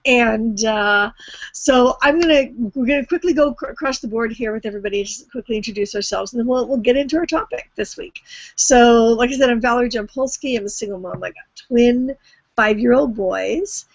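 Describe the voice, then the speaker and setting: A woman's voice: fairly high pitch, brisk, no room sound. A middle-aged woman hosting a video hangout, chatty and rambling, with easy laughter. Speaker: host. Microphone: video call. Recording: dull, dry video call audio.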